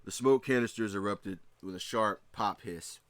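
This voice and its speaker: A man narrating a fan fiction story in a steady reading, with occasional slips and restarts. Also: lowish voice, normal speed, dry recording.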